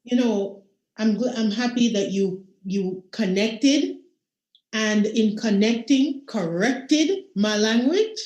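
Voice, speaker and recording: A woman's voice: fairly high pitch, slow pace, a little mellow, echoey room, muffled recording. A woman moderating a video call panel, reflective and emphatic as she responds. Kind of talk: panel discussion.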